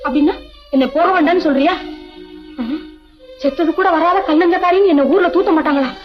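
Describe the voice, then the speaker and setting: An anxious mother fretting in a high voice, easily led. It sounds muffled and dull, from an old film with faint music. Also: fairly quick. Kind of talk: 1960s film drama.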